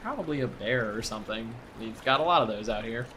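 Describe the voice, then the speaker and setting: A man's voice: mid-range voice, expressive, brisk, slight background noise, natural voice. A man playing a friendly, easygoing small-town boat driver in a naturalistic audio drama, speaking conversationally. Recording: loud boat engine and water ambience.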